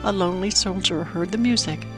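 A woman telling a dramatic Christmas story for children, with simple, expressive phrasing and emphatic pauses. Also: fairly low pitch. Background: music under the narration.

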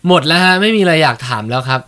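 A fast-talking man hosting a podcast, tossing out playful, teasing questions in an easy conversational tone. He keeps the chat loose and friendly, moving quickly from one question to the next. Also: fairly high pitch, lively intonation, pushed and bright. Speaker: podcast host. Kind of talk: casual interview chat.

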